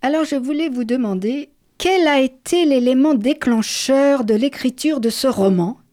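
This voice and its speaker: Female book interviewer, mellow, slightly high, dry close sound. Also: normal speed, no room sound. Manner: reads quotations aloud, warm praise. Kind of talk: literary interview.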